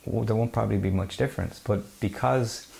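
A man from the west of Ireland speaks in a low voice with a gravelly creak, and his accent is west of Ireland. He explains things as an expert guest in conversation, qualifying and rewording his points as he goes. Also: fairly quick, darkish tone, a little hiss or hum. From County Mayo, west of Ireland. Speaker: architect, interview guest.

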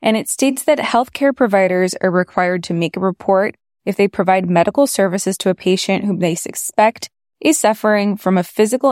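A woman's voice: medium pitch, darkish tone, no echo, studio quality. A woman co-hosting a podcast, explaining background information to listeners. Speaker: podcast co-host.

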